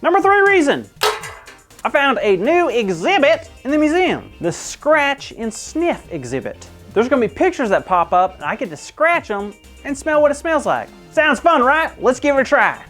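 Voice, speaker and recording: A woman putting on a wide-eyed, goofy young guy who hosts a kids' church comedy show, squeaking up high and swooping all over the place. He bursts into shrill yelps at every surprise, with faint music under him. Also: big pitch swings, normal speed, fairly bright tone. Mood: curious. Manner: bouncy, over-the-top, squealing outbursts. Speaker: children's church show host.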